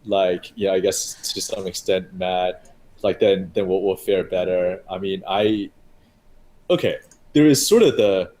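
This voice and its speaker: Brief: low-pitched male game developer, casual rambling stream chat, faint ambient hiss. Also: darkish tone. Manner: rambling, heavy on fillers and restarts.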